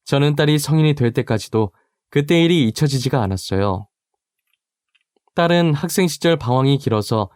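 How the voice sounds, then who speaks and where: A man narrating a first-person story in an even, subdued reading voice. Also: mid-range voice, no echo, studio quality.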